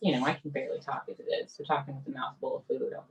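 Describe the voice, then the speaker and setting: Chatty low-voiced woman podcast co-host. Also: little pitch movement, rapid-fire, creaky, distant mic, poor audio. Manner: chatty, uses "like" a lot. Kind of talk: casual podcast chat.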